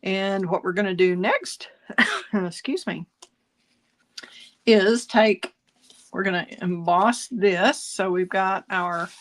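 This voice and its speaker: A woman's voice: mid-range voice, lively intonation, slow, long pauses. A woman teaching card making in a casual tutorial, chatty and self-correcting, with a slight cough now and then. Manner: chatty, self-correcting, laughs at own jokes.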